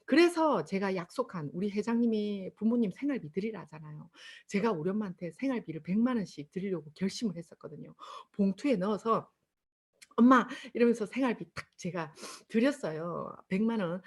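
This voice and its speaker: A middle-aged woman with a Busan Gyeongsang accent, giving an animated testimonial speech to an audience and acting out the voices in her stories. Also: mid-range voice, brisk, hardly any pauses, husky. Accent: Busan Gyeongsang dialect. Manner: animated storytelling with acted-out quotes. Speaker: motivational speaker at a sales seminar.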